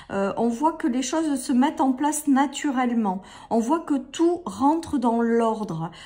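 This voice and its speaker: A woman's high-pitched voice with a dark, mellow tone, lively intonation and a fairly slow pace. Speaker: tarot card reader. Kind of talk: tarot reading guidance. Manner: hesitant, many filler sounds.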